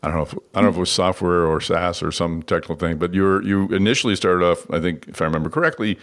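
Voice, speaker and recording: Gravelly deep-voiced male podcast host. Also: quick pace, fairly bright tone. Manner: rambling, restarts often with filler words. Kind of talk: conversational podcast interview.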